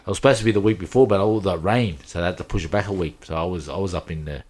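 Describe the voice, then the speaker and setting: A man's voice: low voice, racing, darkish tone, slightly rough. A middle-aged man with an Aboriginal Australian accent, chatting casually in loose slang and often repeating himself. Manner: slangy, repeats himself, says "bro" and "you know". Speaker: interview guest. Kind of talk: casual chat.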